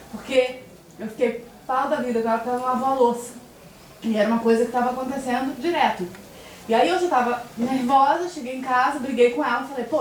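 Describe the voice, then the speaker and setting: A Brazilian woman in her forties recounts a personal story in a colloquial, emotional way, her voice fairly high. She is picked up from afar in a roomy, echoing space with faint background noise. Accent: Brazilian Portuguese. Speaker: audience member sharing a story. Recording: echoey room from far off.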